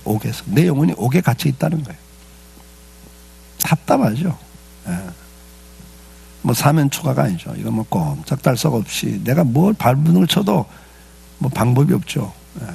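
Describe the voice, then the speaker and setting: A male pastor delivers a sermon in a gravelly, husky voice. His pitch rises and falls with lively swings as he talks, and he keeps it conversational, asking his listeners questions and answering them himself. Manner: conversational preaching with rhetorical questions and frequent "예".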